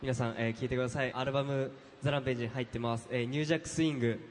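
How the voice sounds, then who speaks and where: A man's voice: mid-range voice, fairly even intonation, racing, big-room sound, slight background noise. A man guest on a live stage talk, playful and laughing, mimicking others as he tells stories. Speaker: guest performer.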